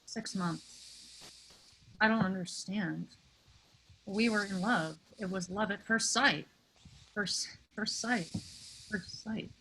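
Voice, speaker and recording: A woman's voice: medium pitch, slow pace, pauses often, a bit bright, slight background noise, rough recording. A woman playing a nervous, lovesick teenage boy in a comedy table read, with a hesitant, stammering manner. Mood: wistful.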